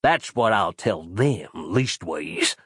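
A menacing frontier sheriff, as a man puts him on, dropping into a lower register and stretching every word into a slow, scornful drawl. The folksy speech carries a cold contempt, and the recording is close and dry with no room around it. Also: expressive, a bit bright, breathy edge, no room sound, heavily acted. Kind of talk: audio drama character voice.

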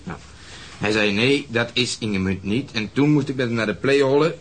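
An actor playing a plain-spoken, defensive police investigator in a radio crime drama. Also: male voice, medium pitch, moderate pace, fairly bright tone, close to an everyday voice. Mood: flat, defensive.

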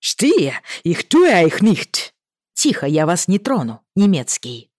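The reader voicing a polite young man who speaks calmly and stays steady. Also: mid-range voice, slow pace, no echo, clean studio sound. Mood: sharp.

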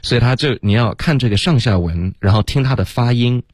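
A man teaching English pronunciation on a radio lesson in a relaxed way, often dropping "OK" and "right" between explanations and slowly sounding out words. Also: mid-range voice, dry recording.

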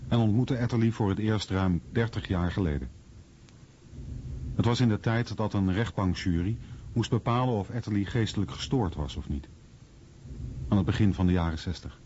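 A man's voice: lowish voice, moderate pace, pauses often, dark tone. A man delivering scripted documentary narration. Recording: muffled, faint background noise.

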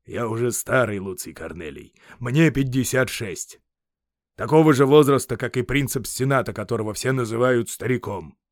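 A man's voice: mid-range voice, expressive, normal speed, no room sound, clean studio sound, lightly acted. Man reading as a blunt aging Roman general. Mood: stubborn. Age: 50s. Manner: blunt, scornful, unbending. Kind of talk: audiobook character reading.

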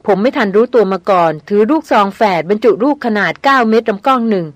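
Female reader as a hardened male jungle hunter, plain matter-of-fact delivery, mid-pitched, dry close sound; audiobook. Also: animated, fast talker, dry recording, close to an everyday voice. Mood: recounting. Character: Rapin, tough male veteran jungle hunter.

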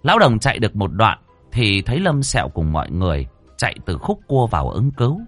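A man narrating a comic folk-style tale in a lively way. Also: lowish voice, fairly quick, dry recording, faint music behind. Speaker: storyteller.

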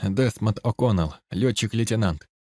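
A man voicing a polite, cooperative captured British airman, a young father, answering calmly and plainly. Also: on the low side, normal speed, no echo, clean studio sound, natural voice. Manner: calm, cooperative, matter-of-fact.

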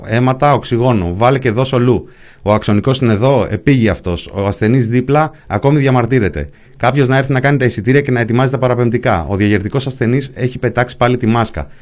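A man narrating his own account in the first person, pushing forward in terse, clipped bursts. His pitch sits in the ordinary middle range for a man. The delivery stays plain and steady, with no performed voices. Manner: terse, clipped present-tense fragments.

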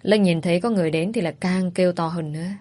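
A woman reading a drama story aloud in a steady, even narration. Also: lowish voice, fast talker.

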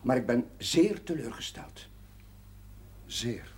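An actor playing an earnest, moralising Catholic chaplain in a Dutch television drama, speaking formally with some hesitation. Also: male voice, mid-range voice, very animated, slow, darkish tone, slight background noise. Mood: stern, admonishing.

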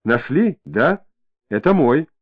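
A man's voice: mid-range voice, sing-song. A man voicing a brash suspicious young woman. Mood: defiant, sharp. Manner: sharp, defiant, quick to snap. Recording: tinny lo-fi audiobook audio.

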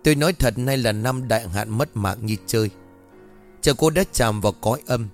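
A man voicing a greedy, gruff male village sorcerer who speaks curtly and haggles dismissively. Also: medium pitch, moderate pace, faint music behind, lightly acted. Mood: bargaining.

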